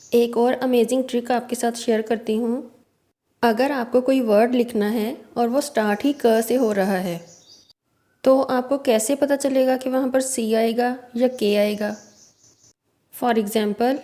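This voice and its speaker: A woman gives an English spelling lesson in an unhurried, deliberate way. Her voice sits a little high, and she explains each step, spelling out letters and sample words one at a time. She slips English words and phrases into her speech as she goes. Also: a little mellow. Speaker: English teacher. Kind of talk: slow, clear spoken lesson.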